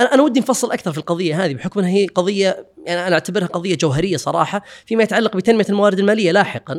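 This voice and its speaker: Using ordinary pitch variation, a man talks at a very fast pace in a high pitch. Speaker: podcast host. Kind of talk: interview conversation.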